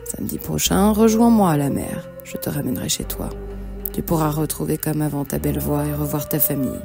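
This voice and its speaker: A woman's voice: deep voice, steady tone, fairly quick, vocal fry. A woman voicing a stern sea witch in a cartoon fairy tale, cautioning and commanding. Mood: insistent. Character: stern, warning sea witch granting a wish. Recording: music behind the voice.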